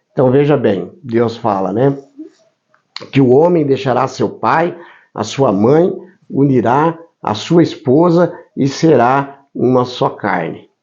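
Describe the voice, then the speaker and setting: At medium pitch, a man talks at a very slow pace with long, frequent pauses and lively intonation. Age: 60s. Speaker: preacher. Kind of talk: sermon. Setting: recorded video for online viewers. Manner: informal, conversational.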